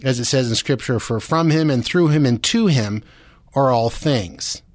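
A man's voice: medium pitch, normal speed, dry recording. A man hosting a Christian talk radio show, speaking conversationally in an earnest, encouraging, explanatory way. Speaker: radio host.

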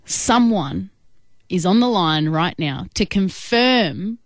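A woman's voice: on the low side, lively intonation, slow, no room sound. Teasing woman radio host, dry studio sound. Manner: teasing, mock-earnest. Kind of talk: casual radio banter.

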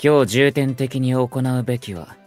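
A man's voice: medium pitch, measured pace, a little mellow, faint music behind, lightly acted. An actor playing a stern, proud, aloof young male idol in a Japanese voice drama, with curt, formal and haughty speech. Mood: proud, severe. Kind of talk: Japanese anime-style voice drama acting.

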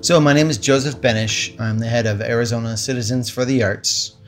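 A man's voice: mid-range voice, fairly even intonation, fairly quick, faint music behind. A man who works as an arts lobbyist, explaining things in a casual way. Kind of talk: interview soundbite.

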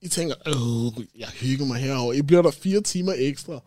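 A young man in casual chat, telling animated stories with friends and laughing often. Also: mid-range voice.

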